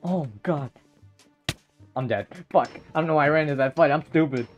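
A man doing casual Minecraft gaming commentary, excitable, swearing often and stammering through restarts. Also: a little high, fairly quick, highs cut off, soft background music. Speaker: Minecraft YouTuber.

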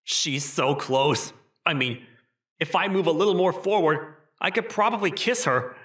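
A man's voice: fairly high pitch, measured pace, fairly bright tone, husky, dry recording, clean studio sound. A young man playing an awkward, self-doubting single guy in a manga dub, with a wry, self-questioning manner. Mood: flustered. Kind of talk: manga dub acting and narration. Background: music.

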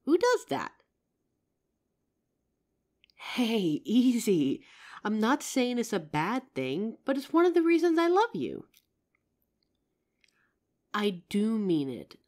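A woman's voice: fairly high pitch, huge pitch swings, takes it slowly, pauses often, darkish tone, heavily acted. A woman playing a loving, protective girlfriend in an intimate comfort roleplay, tender and earnest with some teasing. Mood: affectionate, teasing. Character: loving, protective girlfriend reassuring her partner. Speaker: audio roleplay performer.

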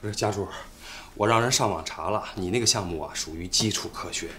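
A man's voice: fairly low pitch, a little fast, pushed and bright, slight background noise. An actor playing an earnest younger brother who presses his sister with worried questions. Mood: stern.

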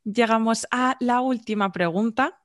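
A young woman with a Castilian Spanish accent hosting a podcast, chatting casually with lively interjections into a studio mic at home. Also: a little high. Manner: chatty, warm interjections, quick restarts. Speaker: podcast host. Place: home room, video call. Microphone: large studio mic on boom arm.

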